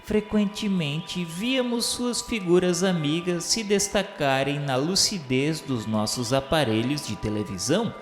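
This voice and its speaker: A man's voice: on the high side, a little slow, hardly any pauses. A man with a Brazilian accent narrating an audio novel in a formal, solemn, declamatory and earnest literary style. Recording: echoey hall reverb with music behind. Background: music.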